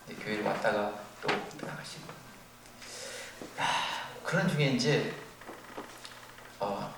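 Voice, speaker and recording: An older man preaching a sermon as a pastor, telling a story with animated, acted-out quotes. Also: medium pitch. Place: church sanctuary. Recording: very echoey, distant from the mic, faint noise.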